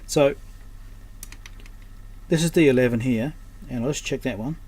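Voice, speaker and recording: At normal speed and medium pitch, with a darkish tone, an electronics repairer presents his repair. He works at a workbench, muttering and thinking aloud in casual commentary, over clearly audible background noise.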